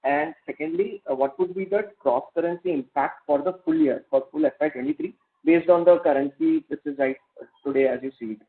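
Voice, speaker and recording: Male financial analyst, Indian accent, fairly high pitch, deferential questioning, narrowband conference phone audio. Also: brisk. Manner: polite, deferential. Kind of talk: formal questions on an earnings call. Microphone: telephone conference call.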